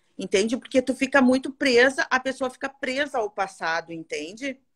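Against a quiet background, a woman talks at a moderate pace in a high pitch with lively intonation. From southern Brazil, Rio Grande do Sul (São Leopoldo); Rio Grande do Sul, Brazil. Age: 30s. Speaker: holistic therapist; interview guest. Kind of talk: casual interview. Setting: remote video call. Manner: loud. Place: home room.

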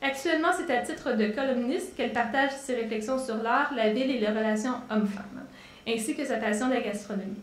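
Audible room echo carries a woman's high voice as she speaks at a fairly quick pace with ordinary pitch variation. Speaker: event presenter. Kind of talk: formal introduction. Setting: stage with audience. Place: hall. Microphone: podium.

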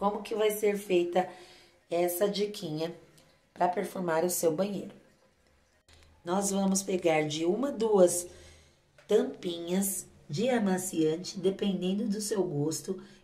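Speaking very slowly with long, frequent pauses, a woman keeps her intonation fairly even. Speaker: home tips vlogger. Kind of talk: tutorial. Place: bathroom. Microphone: phone near.

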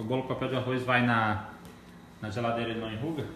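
A man speaks at a fairly quick pace in a monotone, flat intonation. Audible room echo and light background noise accompany him. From Florianópolis area, southern Brazil. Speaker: livestream assistant reading comments. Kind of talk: live chat reading. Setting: livestream in a cake studio. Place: kitchen. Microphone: phone near.

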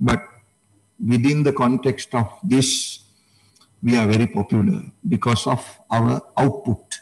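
A man speaks at a fairly slow pace in a somewhat breathy voice with very wide pitch swings, very even loudness, and long, frequent pauses over a quiet background. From Sri Lanka. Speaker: senior economics professor. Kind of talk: ceremonial speech. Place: meeting room.

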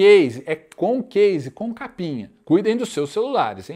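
A man in a Brazilian accent, animated in tone and fairly slow, against a quiet background. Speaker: tech YouTuber; tech youtuber. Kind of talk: tutorial. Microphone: lapel.

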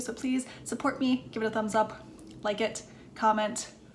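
Light background noise sits behind a woman speaking at a very fast pace in a monotone, flat intonation. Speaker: beauty vlogger. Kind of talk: casual vlog chat. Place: home room. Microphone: camera far.

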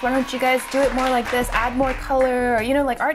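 Clear music plays in the background as a woman talks in a high-pitched voice. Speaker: guest. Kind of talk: interview answer. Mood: cheerful, chatty. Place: home room. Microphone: lapel.

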